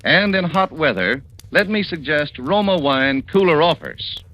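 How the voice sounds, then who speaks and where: Lively persuasive radio ad man. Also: a little high, a little slow, muffled recording. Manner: persuasive, lively salesman delivery. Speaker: commercial announcer. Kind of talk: 1940s radio commercial.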